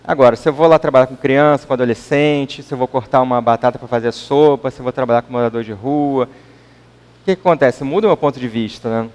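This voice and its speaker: Speaking fairly quickly in a mid-range voice with a darkish tone, a man with a Brazilian accent gives a casual public talk at a spiritist center's meeting hall. He frequently tags his lines with a questioning "right?", and the hall's reverb lingers.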